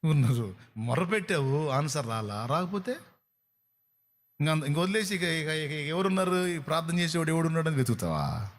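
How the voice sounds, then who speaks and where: A man's voice: fairly high pitch, lively intonation, normal speed. A man with a Telugu accent preaching a sermon, pressing his point with rhetorical questions and acting out what people say. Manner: emphatic preaching with rhetorical questions and acted-out quotes. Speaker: pastor.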